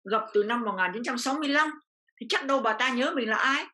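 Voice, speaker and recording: A woman's voice: a little high, quick pace, sharp tone. An older woman from Vietnam, an interview guest, telling a personal story with feeling and repeating phrases as her voice rises.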